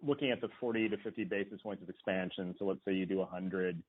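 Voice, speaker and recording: Male analyst, very low voice, filler-heavy, phone-line audio. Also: steady tone, quick pace, slightly rough. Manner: hesitant, filler-heavy questioning. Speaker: financial analyst. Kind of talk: earnings call questions.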